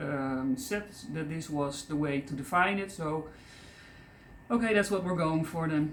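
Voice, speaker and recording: Speaking at a fairly slow pace with a Dutch accent, a woman with a fairly low pitch and ordinary pitch variation is heard over audible room echo. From Netherlands. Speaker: vlogger. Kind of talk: personal vlog. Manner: hesitant, searching for words.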